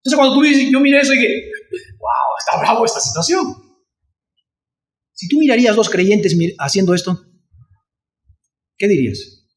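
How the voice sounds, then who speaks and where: A male pastor with a Venezuelan Spanish accent, preaching a sermon and asking the congregation questions. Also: sits high. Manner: acts out shouting voices in anecdotes. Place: church. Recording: echoey church from far off.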